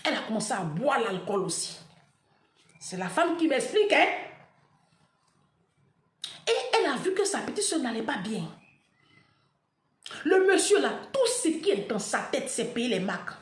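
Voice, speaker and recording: A woman's voice: sits high, very animated, normal speed, pauses often, reverberant. A woman vlogger speaking straight to her followers, retelling a painful story with dramatic flair and acting out the dialogue.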